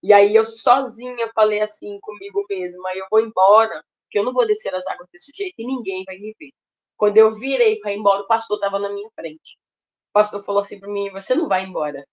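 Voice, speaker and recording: A woman's voice: mid-range voice, fairly quick. A Brazilian woman shares her personal conversion testimony in an emotional, storytelling manner, often turning to address her listeners directly. The recording sounds somewhat dull and lo-fi. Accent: Brazilian Portuguese. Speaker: testimony speaker at a ministry.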